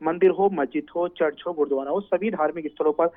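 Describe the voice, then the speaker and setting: A man's voice: a little high, fast talker. A man reporting live from the field as a news correspondent, unscripted and repetitive. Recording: tinny narrow phone-like link.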